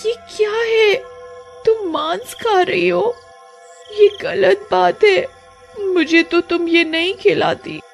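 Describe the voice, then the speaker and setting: A woman's voice: very high voice, fairly even intonation, slow pace, gravelly, soft background music, pitched above the performer's own voice, exaggerated voice. A woman voicing an earnest young girl raised by a witch in a cartoon story, with a pleading, distressed delivery.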